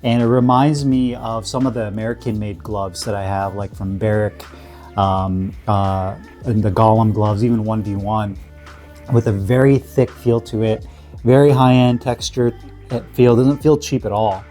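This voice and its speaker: A man with a cold, sniffling a bit, reviewing gear in a relaxed, rambling way full of fillers and restarts. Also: mid-range voice. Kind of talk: casual product review.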